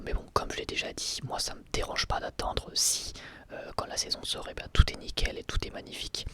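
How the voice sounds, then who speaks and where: Man whispering an ASMR review. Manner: soft unvoiced whisper throughout; relaxed, rambling, with hesitant restarts.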